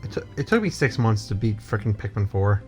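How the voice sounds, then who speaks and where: A man's voice: on the low side, animated, brisk, a little mellow, faint music behind. A young man co-hosting a casual chat, stammering and repeating words as he rambles through an absurd improvised story. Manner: stammering, repeats words, goofy nonsense humor. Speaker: co-host.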